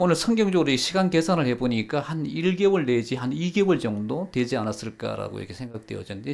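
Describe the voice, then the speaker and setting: A man's voice: mid-range voice, gravelly. A man preaching a sermon as pastor, acting out quoted lines and leading the congregation through practice. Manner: lively, acts out quoted dialogue, leads the congregation in practice.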